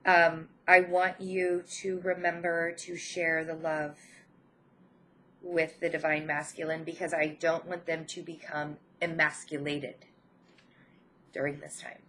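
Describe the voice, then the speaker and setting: Casting: woman, lowish voice with a head cold, gentle encouraging online tarot reader, hesitant phrasing, slight background noise. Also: flat delivery, unhurried. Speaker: spiritual tarot reader and channel host. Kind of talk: informal spiritual card reading to viewers.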